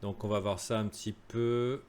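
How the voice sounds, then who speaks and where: A man's voice: lowish voice, steady tone, moderate pace, a little mellow. A man giving a live crypto chart analysis in a casual, joking way, with many fillers and asides to viewers. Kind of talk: live-streamed market analysis.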